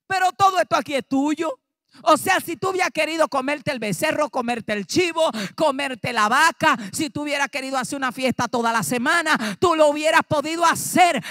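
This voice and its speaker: A woman pastor with a Dominican Spanish accent preaching an animated sermon, acting out dialogue and rising to shouts. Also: high voice, no echo, clean studio sound. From Dominican Republic.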